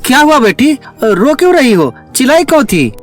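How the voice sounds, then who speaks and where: Concerned, caring uncle. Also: male voice, very high voice, big pitch swings, normal speed, soft background music. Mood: worried. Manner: concerned, soothing. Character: caring, worried middle-aged uncle.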